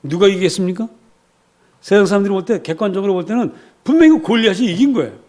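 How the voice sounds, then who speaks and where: Brief: male church pastor preaching, animated storyteller who has the congregation repeat after him, slightly raised pitch. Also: fast. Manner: animated storytelling, acting out quotes. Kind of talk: sermon.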